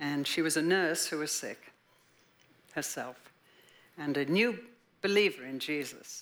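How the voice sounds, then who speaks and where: Fairly slow delivery in an English accent, broken by long, frequent pauses. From England. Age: 80s+. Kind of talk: sermon. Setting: church with audience.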